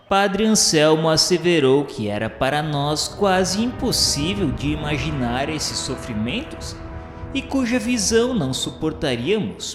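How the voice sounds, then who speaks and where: A man narrating a radio drama in a solemn, dramatic way. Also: fairly high pitch. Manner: solemn, dramatic, rising in emphasis. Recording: reverberant hall sound with faint music.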